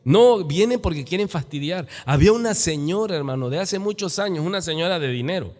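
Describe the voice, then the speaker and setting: Man, middle-aged pastor, Mexican accent, sermon, animated delivery, slightly high voice, long church reverb. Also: brisk. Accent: Mexican Spanish. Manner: animated, acts out church members in quoted voices. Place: church sanctuary.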